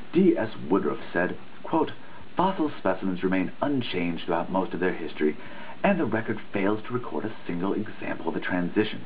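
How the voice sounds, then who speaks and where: Deep-voiced man reading dramatically, phone-like sound. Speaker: reader, host of a reading series. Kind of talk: dramatic reading of a written text. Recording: muffled phone-like sound, faint noise.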